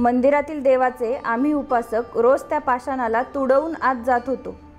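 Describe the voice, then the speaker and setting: Faint music plays behind a woman whose high-pitched voice keeps a fairly even intonation. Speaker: reader at a small literary event. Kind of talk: literary reading. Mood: calm, expressive recitation. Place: home room. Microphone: lapel.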